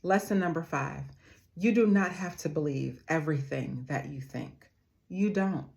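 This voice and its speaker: A woman with a notably deep, low-pitched voice delivers a motivational talk straight to her viewers. She speaks earnestly and addresses them like family. She slows down to repeat her key phrases for emphasis. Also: vocal fry, a little mellow, muffled recording. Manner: calls her audience "family".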